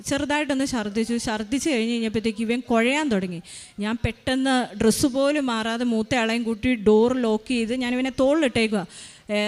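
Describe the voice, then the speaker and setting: A woman telling a personal testimony about her child, hurrying along with many fillers and restarts. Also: a little high. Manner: hurried, with frequent fillers and restarts. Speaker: mother giving a testimony.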